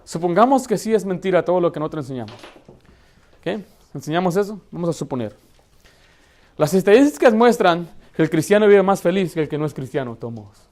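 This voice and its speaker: A man's voice: high voice, very animated, fast talker, a little mellow. A male pastor preaching in church with a voice that sits a little above the usual male range. He talks to the congregation directly, emphatic and conversational. He keeps tossing rhetorical questions at them. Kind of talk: Baptist sermon.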